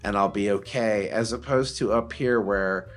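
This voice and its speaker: A man's voice: lowish voice, moderate pace, soft background music. A man podcast host chatting casually in a rambling, joking way. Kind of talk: casual chat.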